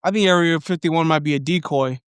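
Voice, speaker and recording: This man co-hosts a podcast in loose, profane casual chat. His voice sits a bit higher than most men's and sounds clear and smooth. He gets excitable as he builds a theory, and the recording is close and dry. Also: a little fast, no echo. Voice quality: occasional stutter and slight lisp when frustrated. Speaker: podcast co-host.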